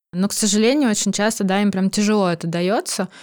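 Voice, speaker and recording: In a very clean recording with a silent background, a woman has a plain, everyday voice at a medium pitch with ordinary pitch variation. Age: 30s. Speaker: HR director. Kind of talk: casual chat.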